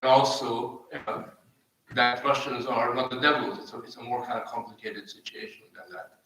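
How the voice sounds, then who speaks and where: A man from Hungary, arguing as a panelist in deliberate phrases that often restart. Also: mid-range voice, fairly even intonation, pushed and bright. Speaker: panel speaker. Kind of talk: argumentative panel remarks. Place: live panel event in an echoey room. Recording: very echoey room, distant microphone.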